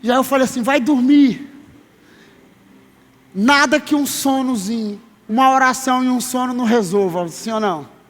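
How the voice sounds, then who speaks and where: A man in his thirties preaching a sermon as pastor, emphatic, slowing down to stress his words and calling listeners brother. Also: extremely high pitch, fairly bright tone. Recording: long reverb of a large hall.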